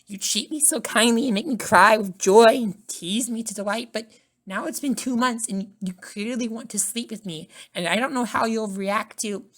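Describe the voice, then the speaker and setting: Woman doing an anxious, timid college girl, high-pitched. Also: normal speed, lightly acted. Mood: tearful pleading. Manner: nervous, timid, pleading. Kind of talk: ASMR roleplay.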